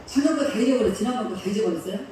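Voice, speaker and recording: A woman's voice: medium pitch, rapid-fire, dark tone, a little hiss or hum. A woman pastor telling a story in a sermon, in a chatty, colloquial way, laughing along with the congregation. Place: church sanctuary. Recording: echoey hall from far off.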